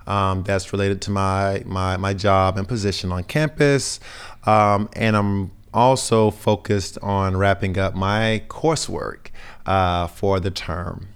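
Raspy, deep-voiced young man. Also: steady tone. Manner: earnest, measured, many fillers and restarts. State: raspy from a sinus infection. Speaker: interview guest. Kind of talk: casual conversational interview.

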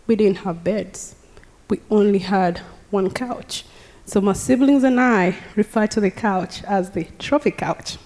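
A young Ugandan woman with a Ugandan accent, appearing as a guest speaker, shares her personal testimony with a congregation, earnest and addressing the audience directly. Her mid-range voice is a little mellow, and the church sanctuary sounds reverberant.

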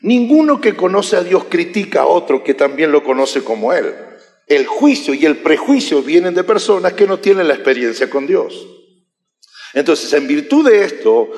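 A man delivering a sermon with a raised, lively voice that leaps up and down in pitch. He is animated and teases the congregation between points. The sound carries a long echo from a big church hall. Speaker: pastor. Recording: echoey hall reverb.

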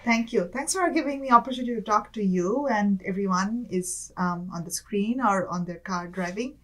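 A woman's voice: medium pitch, normal speed, fairly bright tone. Bangladeshi-accented woman, chatty guest. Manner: chatty, frequent "like" and "kind of", light laughs. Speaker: guest, MBA student. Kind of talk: conversational interview.

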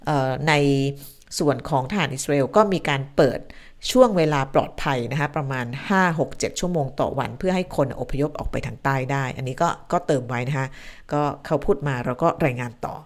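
Low-voiced woman hosting a live stream. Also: a little fast. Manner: chatty and warm with viewers, thanks and greets them by name. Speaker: host of a news live stream. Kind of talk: casual live-stream news talk, reading viewer comments. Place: home.

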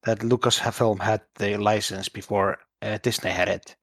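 Relaxed man arguing in casual chat. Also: fairly low pitch, moderate pace, dry recording.

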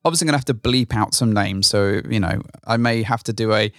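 Fast-talking casual man. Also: fairly low pitch, dry recording, studio quality. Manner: quick, loose, full of fillers. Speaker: podcast co-host. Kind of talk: casual chat.

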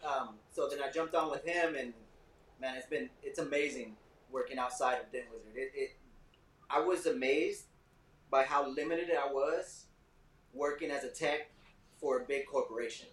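A man's voice: mid-range voice, moderate pace, a bit bright, distant mic. A man, a repair tech guest, talking eagerly in a casual podcast chat and checking that he is understood. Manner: eager, keeps checking in with "you know what I mean". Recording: roomy, off-mic, faint hiss.

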